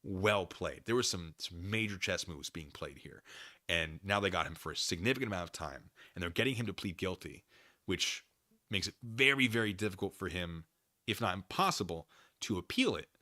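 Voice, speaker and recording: An American man hosts a casual livestream, moving through commentary and chat comments in an animated, digressive way and frequently losing his thread. His voice is low and moderately paced, recorded at studio quality with no echo.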